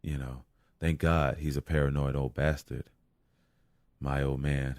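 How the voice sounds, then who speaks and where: A man's voice: extremely low pitch, steady tone, measured pace, darkish tone, no echo, clean studio sound. An actor playing a weary, wry, street-smart man surviving a deadly night, muttering and sighing through an audio drama monologue. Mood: wry, confiding.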